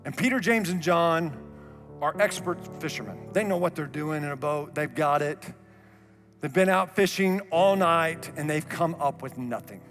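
High-voiced pastor preaching in a hall. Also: male voice, moderate pace. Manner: animated, gestures widely while pacing the stage; drops to a soft, low voice for emphasis. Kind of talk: sermon. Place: large church auditorium stage. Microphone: headset mic. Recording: reverberant hall, faint music.

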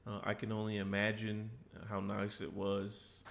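A man's voice: lowish voice, monotone, a little slow, gravelly, background noise. A man hosting a casual walking-tour video outdoors, chatting in a rambling, self-correcting way as he walks through dry woods. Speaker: travel vlogger host.

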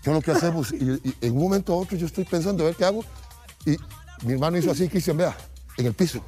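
A man's voice: on the high side, fast, faint music behind. A middle-aged Costa Rican man casually telling an anecdote, acting out the people in it. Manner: animated, acts out voices in his stories. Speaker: guest storyteller.

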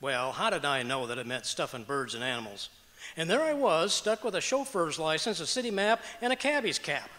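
A man's voice: a little high, expressive, fairly quick, sharp tone. A man playing a boastful, bumbling, cheerful husband with folksy wisecracks in 1940s radio comedy style. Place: auditorium stage, live performance. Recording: reverberant auditorium stage.

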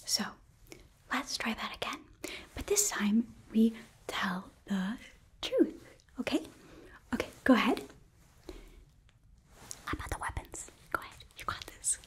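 A young woman voicing a sweet, earnest demon princess in an ASMR roleplay, breathy and often whispering, with nervous, eager optimism. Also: on the high side, big pitch swings, a little slow, pauses often. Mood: gently coaxing. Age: young adult. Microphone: close microphone.

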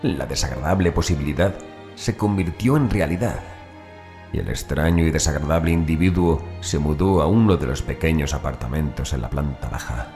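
A man reading a horror audiobook as narrator in a measured, phrase-by-phrase manner. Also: very deep voice, darkish tone, faint music behind.

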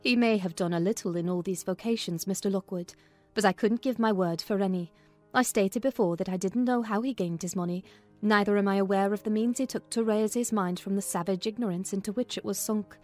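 A woman narrates a classic novel as a housekeeper, in a measured storytelling style. Her voice is mellow and of medium pitch. Soft music plays behind her. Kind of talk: dramatized audiobook narration, in character as a housekeeper. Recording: music under the voice.

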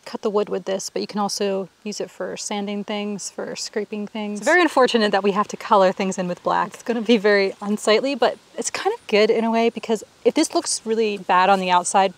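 A woman's voice: medium pitch, fairly quick, few pauses. A young woman talking casually and self-mockingly to her viewers while working on a camper, outdoors and inside it, into a clip-on mic. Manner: chatty, self-mocking, laughs often. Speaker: vlogger. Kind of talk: casual DIY vlog. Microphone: clip-on mic held to the mouth.

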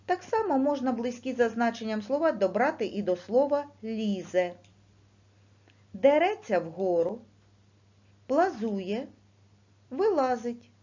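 A woman teaching a primary school lesson, speaking slowly and clearly with questions to the class. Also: a little high. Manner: slow, clear teacher's delivery with lively rising questions. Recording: dull lo-fi recording.

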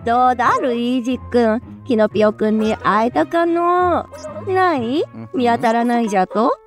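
A woman doing a gruff grumbling old professor. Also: normal speed, soft background music, natural voice. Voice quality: gruff, strained low old-man voice. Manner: grumbling, old-fashioned speech. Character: fussy old male professor, grumbling and bossy. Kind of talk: voicing a game character during a playthrough.

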